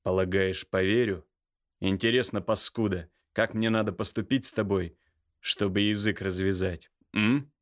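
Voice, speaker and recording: A seething older brother in an audiobook, voiced by a male reader close to his own low voice. He growls slow, menacing threats with open contempt. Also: fairly even intonation, natural voice. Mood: furious, menacing. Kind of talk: audiobook character voice.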